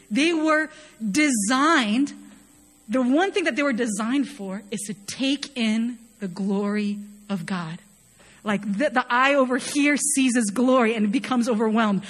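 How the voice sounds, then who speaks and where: Young woman from chile preaching, kinda high voice, super earnest, lots of "like". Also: a bit bright. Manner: earnest, conversational, frequent "like" fillers. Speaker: worship leader preaching. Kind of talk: sermon.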